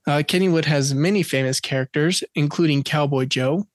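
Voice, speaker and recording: A man's voice: fairly high pitch, a little fast, no room sound, clean studio sound. A man co-hosting a podcast in casual chat, reading out dates and facts with jokes along the way. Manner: chatty, joking, reads facts and dates aloud. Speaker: podcast co-host.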